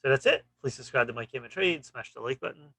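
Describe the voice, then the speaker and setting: Man, trading vlog host; gravelly, bright tone, dry close sound; casual clipped chart talk. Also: medium pitch, lively intonation, fast, dry recording, poor audio. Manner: clipped, fragmentary phrases with frequent "you know". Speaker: stock trading channel host.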